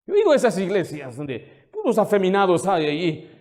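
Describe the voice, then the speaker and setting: A man with a notably high-pitched voice delivers a sermon as pastor. He preaches with fervor and indignation, pressing the congregation with one rhetorical question after another. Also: huge pitch swings, a little fast, a little mellow. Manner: indignant, scolding.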